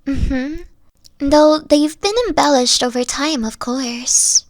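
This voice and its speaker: A woman voicing a gentle, thoughtful fox-girl girlfriend in an audio roleplay, speaking softly and hesitantly into a close mic. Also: high voice, fairly even intonation, slow pace, dry recording. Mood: hesitant, tender. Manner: soft-spoken, hesitant, explains carefully. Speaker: voice actor.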